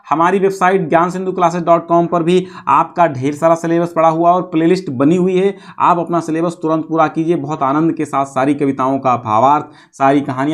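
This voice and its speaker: A man teaching in an explanatory classroom style, reading out phrases, then repeating and rephrasing them didactically. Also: a little high. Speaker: Hindi teacher. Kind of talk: explanatory classroom lesson, reading and paraphrasing a poem.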